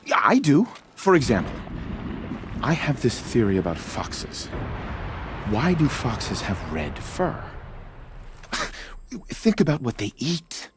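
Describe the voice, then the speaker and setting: A man playing an earnest, eager self-taught tribal naturalist in a video game, musing in a wonderstruck, halting, self-important way. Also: medium pitch, big pitch swings, a little hiss or hum. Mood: excited. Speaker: non-player character in a video game. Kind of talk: video game dialogue acting.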